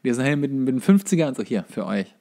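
A man's voice: medium pitch, sing-song, quick pace, creaky, mellow. A man co-hosting a podcast, telling anecdotes casually, often repeating and correcting himself as he goes. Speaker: podcast co-host. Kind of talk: casual chat, bar anecdotes.

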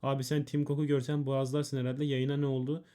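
A streamer with a dark, medium-pitched voice talks fast and evenly as he reads viewers' ban appeals aloud from chat. He answers them casually, bluntly, and with plenty of swearing.

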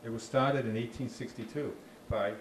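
Speaking at a moderate pace with a medium, steady pitch, a park ranger with a Boston accent gives an informal talk and takes audience questions on a handheld mic. He chats loosely, with many restarts and dry jokes, in a small dim room with a slide screen. The recording is echoey and slightly noisy.

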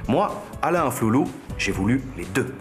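A man's voice: medium pitch, big pitch swings, faint music behind, close to an everyday voice. Man as self-important advert dad, swooping voice. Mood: solemn, proud. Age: middle-aged. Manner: solemn, deliberate slogan delivery. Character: self-important businessman father advertising himself, easily exasperated. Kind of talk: parody TV advert narration. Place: studio set.

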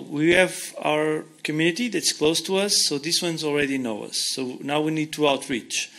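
A man's voice: on the high side, a bit bright. A man in his thirties from Portugal with a Portuguese accent, answering audience questions at a conference on a handheld mic, earnest and restarting often. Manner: earnest, explains with hand gestures, frequent restarts. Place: conference hall stage, seated in armchair.

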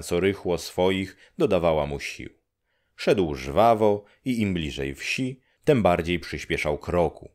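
A man narrating a classic story for an audiobook in a calm, measured storytelling manner. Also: deep voice.

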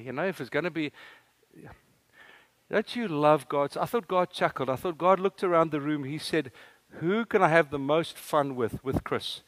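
A man from South Africa with an Afrikaans accent, preaching an animated sermon and asking the room questions. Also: fairly high pitch, no room sound. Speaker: guest preacher.

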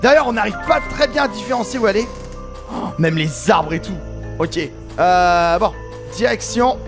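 A man with an unusually high voice gives let's play commentary on a video game. He talks in a bursting, exclamatory way and often shouts with excitement. Faint game music sits under his voice. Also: normal speed. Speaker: gaming YouTuber.

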